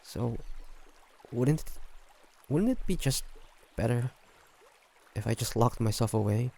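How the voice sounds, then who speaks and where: A man voicing a brooding, gentle ancient vampire in an intimate audio roleplay, speaking haltingly and pensively. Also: mid-range voice, animated, vocal fry, exaggerated voice. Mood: sorrowful, resigned. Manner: halting, soft-spoken, pensive with sighs.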